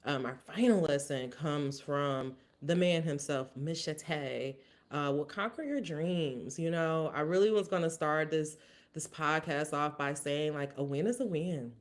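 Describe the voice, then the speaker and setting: A woman's voice: low-pitched, measured pace. A woman hosting a casual solo podcast recap, earnest and motivational, thinking aloud with many restarts. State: briefly emotional. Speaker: podcast host.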